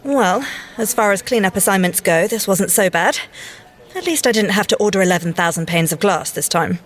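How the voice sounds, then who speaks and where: A woman's voice: medium pitch, lively intonation, a little fast, lightly acted. A woman playing an earnest, nerdy young scientist agent in an audio drama, speaking precisely and politely and easily flustered. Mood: precise, dry.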